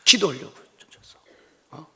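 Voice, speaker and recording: A man's voice: fairly quick, sharp tone. A male pastor preaching a sermon in a church, telling an emotional story and breaking it up with rhetorical questions. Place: church sanctuary.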